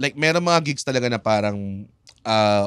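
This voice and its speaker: Delivered at a moderate pace, the speech has a dry sound with no echo over a quiet background. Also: man. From Philippines. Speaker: comedian and podcast host; comedian, podcast host. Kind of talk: casual chat. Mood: relaxed, joking. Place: studio. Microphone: studio mic.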